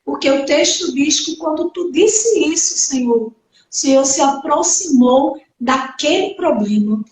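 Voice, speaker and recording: Woman pastor, high voice, earnest preaching, distant mic, echoey hall. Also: expressive, a little slow, darkish tone, a little hiss or hum. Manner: earnest preaching with frequent "né" and acted quotes. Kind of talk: sermon. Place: church hall. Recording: echoey church hall from far off.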